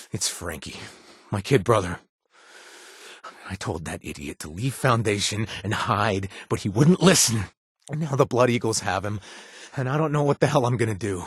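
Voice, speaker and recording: A man's voice: fairly low pitch, slightly rough, no echo. A man voicing a wry, sarcastic wasteland ally in a video game, talking with dry humor and frequent hesitations. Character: wry, sardonic wasteland man worried for his brother.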